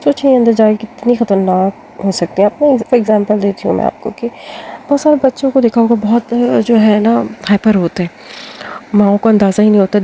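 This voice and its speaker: A woman's voice: mid-range voice, dark tone, a little hiss or hum. A woman with a Pakistani Urdu accent giving casual advice to women, chatty and full of fillers, speaking to her viewers as sisters. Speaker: lifestyle advice host.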